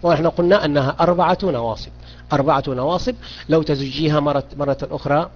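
A man's voice: fairly high pitch, quick pace. A man teaching a beginners' grammar lesson online, questioning students and repeating key points. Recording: dull lo-fi audio.

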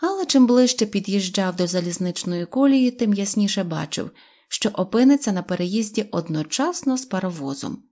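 Woman reading a kids' storybook, lively, expressive. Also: mid-range voice, moderate pace. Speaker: audiobook reader. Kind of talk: storybook narration.

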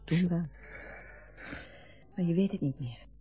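An actress playing a wistful, reproachful grown daughter with a husky voice in a naturalistic radio drama. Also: female voice, fairly low pitch, slow pace, a little hiss or hum. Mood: wistful, hurt. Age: adult. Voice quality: husky, breathy. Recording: dull lo-fi radio recording with music.

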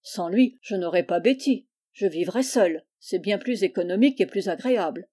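A miserly, cruel old woman who barks and scolds in a sharp, loud voice, put on by a woman reading a storybook. Her tone stays soft and mellow even while she rages. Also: medium pitch, moderate pace, lightly acted. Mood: fretful scheming. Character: stingy, cruel older woman cousin.

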